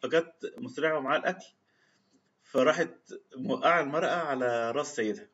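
A man speaking with an Egyptian Arabic accent moves briskly through a religious talk told as a string of stories. He slips into formal classical Arabic whenever he recites a quote. The sound is a little dull and lo-fi. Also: medium pitch, fairly bright tone.

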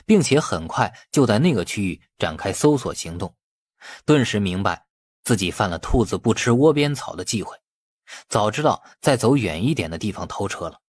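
A man's voice: lowish voice, animated, normal speed, breathy edge, dry recording, studio quality. A man reading a novel aloud as scripted, dramatic audiobook narration.

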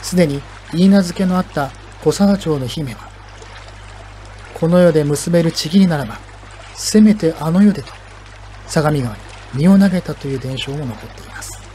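Solemn male narrator, slightly high-pitched. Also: normal speed, dark tone, soft background music. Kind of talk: scripted dramatic narration of a local legend.

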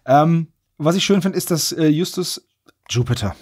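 Casual male podcast host, slightly high-pitched, colloquial recapper with mock outrage, dry studio-like sound. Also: moderate pace, a little mellow, husky, dry recording. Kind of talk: casual chat, recapping and commenting on an audio drama.

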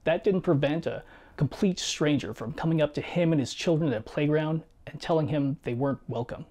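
A man in his thirties reading a scripted personal video essay in a measured, reflective way, seated in a small home studio. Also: fairly high pitch. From United States. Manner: measured, reflective storytelling with quiet asides. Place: small home studio room with guitars and shelves.

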